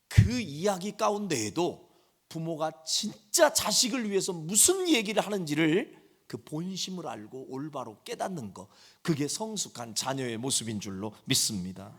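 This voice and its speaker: A middle-aged man preaches in a church sanctuary with a high, bright voice that leaps around in pitch. He dramatizes his points, switching into the voices of scolding parents and pleading children. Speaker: senior pastor. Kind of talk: sermon.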